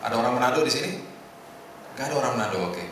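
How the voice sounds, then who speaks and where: A middle-aged man preaching informally to a congregation in a conversational, joking way, with hesitant pauses. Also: mid-range voice, lively intonation, a bit bright. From Indonesia. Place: large echoing indoor hotel hall. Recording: echoey hall, distant mic, noisy room.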